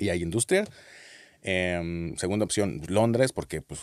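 Against a quiet background, a man with a very deep, low pitch speaks at a fairly slow pace, the sound dry with no echo. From Mexico City area; Mexico. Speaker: comedian and content creator; comedian, content creator. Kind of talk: casual chat. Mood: relaxed, storytelling. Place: studio. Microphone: studio mic.

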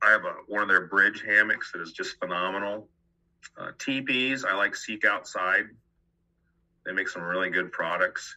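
A man talks with a Midwestern American accent. His speech has long, frequent pauses. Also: moderate pace, big swings in loudness. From northern Ohio. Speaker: wilderness survival instructor and outdoor gear seller; guest. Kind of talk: interview answering student questions. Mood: relaxed, storytelling. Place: home room. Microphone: video call.

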